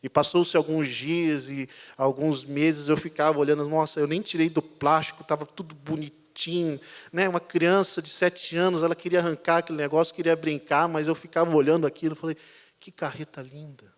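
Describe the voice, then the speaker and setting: A man, a pastor, preaching a sermon as a lively storyteller, swinging between loud and quiet passages. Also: on the high side, fairly quick. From Brazil. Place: church sanctuary. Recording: church hall reverb.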